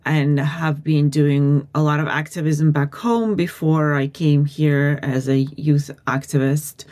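A woman's voice: sits low, dark tone. A woman from Uzbekistan, a feminist consultant, answering interview questions in an earnest, reflective way with some restarts.

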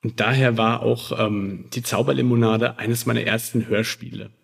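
A man in his thirties talks as a guest on a podcast. His voice sits at an average pitch, and he tells personal stories in a casual, conversational way. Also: fairly even intonation, moderate pace, creaky. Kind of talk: casual chat, telling childhood anecdotes.

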